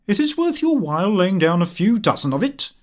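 A man voicing a chummy, brisk Victorian gentleman with a hearty, confidential manner. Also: high-pitched, sing-song, voice pushed up. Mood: chummy, persuasive.

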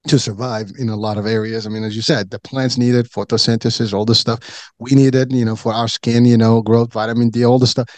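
A man's voice: mid-range voice, a little mellow, dry recording. A middle-aged man from Morocco chatting as a podcast guest, rambling with many fillers and restarts. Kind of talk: casual chat.

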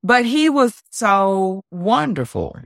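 Deep-voiced woman, upbeat podcast co-host, close dry mic. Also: takes it slowly, vocal fry, dry recording. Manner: upbeat, energetic, says "like" often. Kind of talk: casual podcast chat.

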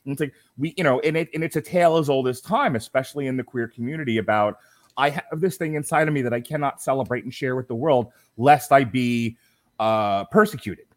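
Animated male podcast movie reviewer. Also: mid-range voice, fairly quick. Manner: animated, emphatic, acts out quoted voices. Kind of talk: casual movie review chat.

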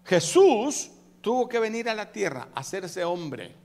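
A male pastor from Guatemala preaching an animated, humorous sermon and acting out scenes. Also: high-pitched, takes it slowly. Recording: long reverb of a church hall with faint hum.

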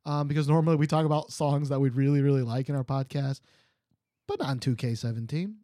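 A man co-hosting a podcast in casual chat, animated and jokey, laughing often. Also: medium pitch, fast talker, no echo, studio quality. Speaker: podcast co-host. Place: Seoul, South Korea.

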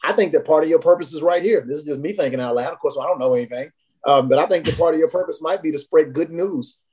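A man's voice: a little high, fast talker, darkish tone, low-quality recording. A man working as a recovery advocate, speaking earnestly and encouragingly as a podcast guest. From Tennessee. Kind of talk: casual podcast conversation.

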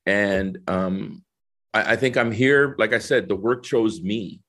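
A man's voice: on the low side, slow pace, a bit bright. A middle-aged man from El Salvador, a guest in a conversational interview, explaining things earnestly and step by step. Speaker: guest, corporate diversity executive.

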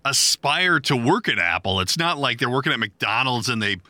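Podcast co-host, middle-aged man, bright, forceful voice, dry close sound, animated joking delivery. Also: medium pitch, normal speed, no room sound. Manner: joking, animated, laughs often. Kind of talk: casual chat.

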